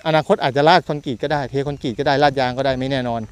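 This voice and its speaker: A man's voice: mid-range voice, level tone, racing, clear, resonant tone. Chatty man on a rural walking tour. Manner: chatty and loose, keeps pointing things out. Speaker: land seller and property reviewer. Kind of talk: casual walking tour to camera. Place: outdoors in open rural fields by a road. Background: birds and open countryside.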